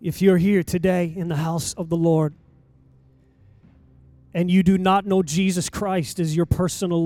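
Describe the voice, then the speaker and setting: A man with a high, mellow voice preaches to his congregation in a church sanctuary. He drives his points home with emphatic stresses and long dramatic pauses, while soft music plays faintly behind him. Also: no echo. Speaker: pastor. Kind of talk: sermon.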